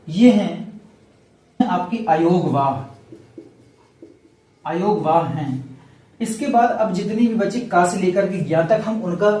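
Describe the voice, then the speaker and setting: A man teaching a Hindi grammar lesson to students. He repeats the key points slowly so they stick. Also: high voice, mellow, reverberant, distant mic.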